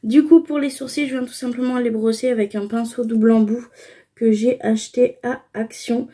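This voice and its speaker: A woman's voice: fairly high pitch, steady tone, normal speed, mellow, slightly rough. A young woman casually talking through her makeup routine, explaining each step with frequent fillers. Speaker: beauty vlogger.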